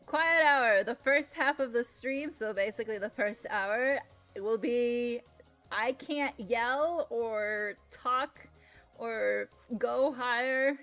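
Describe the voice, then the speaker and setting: A young adult woman streaming live, chatting casually and laughing often, with a loud, animated way of talking. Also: fairly high pitch, slow pace, faint music behind. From Latin America. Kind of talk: casual livestream chat.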